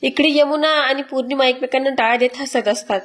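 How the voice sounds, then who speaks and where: A woman's voice: high voice, fairly even intonation, a little fast, a bit bright. A woman narrating a family drama episode recap in a sympathetic storytelling voice-over.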